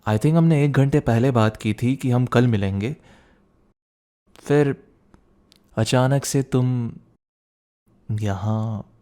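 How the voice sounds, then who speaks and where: A man performs a young student boyfriend in an intimate ASMR roleplay. His voice is mellow and relaxed at a medium pitch. He speaks softly and conversationally, protective one moment and playfully suspicious the next. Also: takes it slowly, pauses often, close to an everyday voice. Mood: caring, curious.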